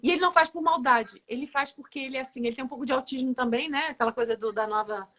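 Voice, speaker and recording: A woman, a therapist and guest, telling stories in a casual interview with a lively, laughing manner. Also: high-pitched, very fast. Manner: lively storyteller, laughs often. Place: live online interview.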